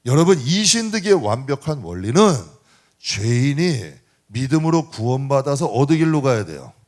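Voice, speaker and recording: A man's voice: medium pitch, normal speed. Middle-aged guy pastor preaching, chatty, voice jumps all over, keeps asking the crowd questions. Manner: lively, conversational preaching with rhetorical questions to the congregation. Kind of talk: sermon. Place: church sanctuary.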